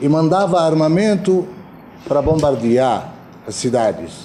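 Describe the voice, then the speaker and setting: A man with a non-native accent and a fairly high voice speaks at a very slow pace, with audible room echo. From Syria. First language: Arabic (speaking Portuguese). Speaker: community representative. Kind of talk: speech. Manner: halting.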